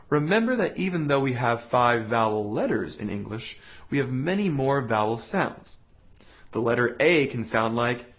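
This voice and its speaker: A man leads a voice lesson, explaining each exercise in a calm, clear, step-by-step way. His pitch moves around a lot as he talks. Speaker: voice teacher. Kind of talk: instructional voice lesson.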